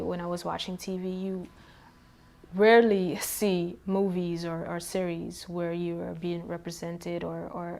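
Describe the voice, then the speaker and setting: A woman from Suriname, a poet, answering interview questions in a hesitant way, with many pauses, ums and restarts. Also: lowish voice, gravelly, a little mellow.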